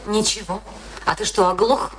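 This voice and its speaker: A woman's voice: medium pitch, steady tone, moderate pace, a bit bright, slight background noise, close to an everyday voice, poor audio. An actress playing a bitter, defiant middle-aged wife in a radio play, answering her husband with terse, dry retorts. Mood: cool, defiant.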